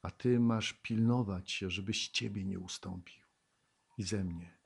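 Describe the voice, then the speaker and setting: A man preaching a sermon, reading Bible verses aloud and explaining them. He asks the congregation questions and often laughs, moving from loud exclamations to hushed tones. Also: on the low side, steady tone, unhurried, gravelly, breathy edge.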